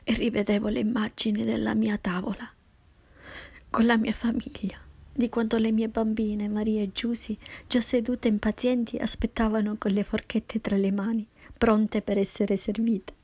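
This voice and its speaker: A woman reading a first-person story in a slow, hushed, intimate whisper. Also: fairly high pitch, level tone, husky. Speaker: narrator.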